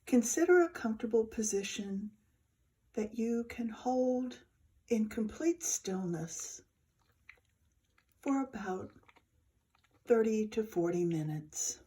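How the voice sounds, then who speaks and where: A woman teaching yoga nidra, giving soft, soothing guided meditation instructions in short phrases with pauses. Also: fairly high pitch, lively intonation.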